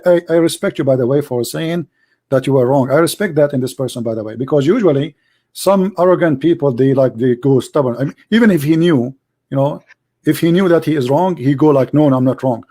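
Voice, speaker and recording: Arab speaking guy debating religion, english, keeps repeating questions, kinda high voice. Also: brisk, warm tone. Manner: insistent, repeats questions, non-native English phrasing. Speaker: host debating religion with a caller.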